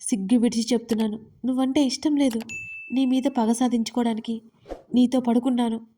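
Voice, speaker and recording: Trembling, stammering young heroine read by a woman, higher voice with a mellow, warm tone. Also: steady tone, a little fast, slight background noise, natural voice. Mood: defiant.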